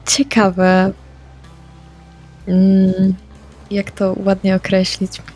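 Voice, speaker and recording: A woman speaking in character in a tabletop roleplaying game, calm and brief. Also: medium pitch, very slow, soft background music. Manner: calm, short replies with spoken actions. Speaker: player.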